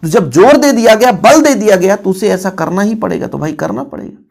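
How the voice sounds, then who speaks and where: Gravelly-voiced teacher. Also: male voice, high voice, lively intonation, fairly quick, darkish tone. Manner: emphatic, repeats examples and keeps checking in with the students. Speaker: Hindi teacher. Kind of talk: exam-prep lesson.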